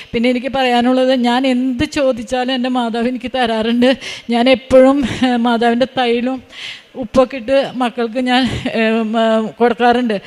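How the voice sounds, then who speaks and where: A woman giving a personal religious testimony in a halting way, with frequent fillers and restarts. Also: on the high side, big-room sound. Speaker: testimony giver.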